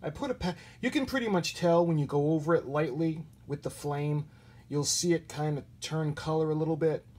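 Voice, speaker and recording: A man giving a casual hands-on hobby tutorial, thinking aloud in a halting way as he works at home. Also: a little high, a little mellow. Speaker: hobby model builder, video host. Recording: noisy handheld home video sound.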